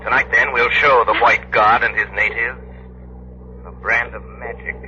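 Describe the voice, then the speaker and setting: An actor playing a calm, commanding male crime-fighting hero in a 1930s radio drama, giving firm, measured instructions. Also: mid-range voice. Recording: noisy, muffled 1930s radio recording.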